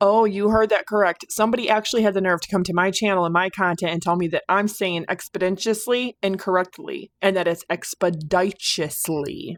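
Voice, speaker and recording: Speaking at a fairly quick pace with a Michigan accent, a woman keeps a medium pitch with ordinary variation on a very clean recording with a silent background. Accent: Michigan Northern Midwestern. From Michigan, US Midwest. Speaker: true crime commentary YouTuber. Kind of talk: commentary rant. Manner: animated.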